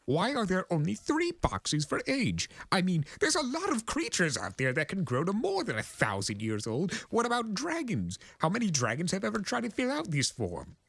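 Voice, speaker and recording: Theatrical, wildly swooping ancient chaos lord. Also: male voice, high voice, huge pitch swings, gravelly, a bit bright, husky, no echo, pitched above the performer's own voice, full character voice. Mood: indignant. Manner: theatrical, grandiose, indignant, drawn-out emphasis. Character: ancient, pompous, exasperated male chimera lord of chaos. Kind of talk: dramatic cartoon fan fiction reading.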